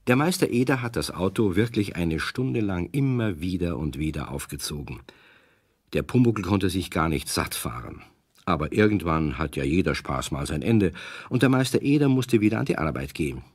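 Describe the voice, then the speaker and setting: A man's voice: sits low, animated, normal speed, breathy edge, no echo, clean studio sound. A man narrating a children's audio story as a storyteller.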